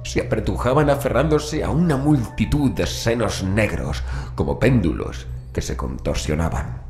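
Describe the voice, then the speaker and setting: A man narrating a horror audiobook in a measured, dramatic way with deliberate pauses. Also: low voice, darkish tone. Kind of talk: scripted horror story narration. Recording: roomy echo, faint background noise.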